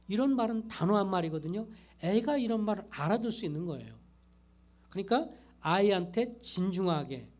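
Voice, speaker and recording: A man's voice: sits high, a little mellow. A man, a pastor, giving a church parenting lecture and acting out quoted parent and child lines. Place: church hall.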